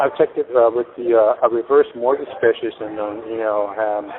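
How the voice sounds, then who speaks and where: A man talks at medium pitch and a moderate pace, his intonation fairly even. Noticeable background noise sits behind him. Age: 60s. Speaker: home seller. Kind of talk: phone call negotiation. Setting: phone call. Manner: halting.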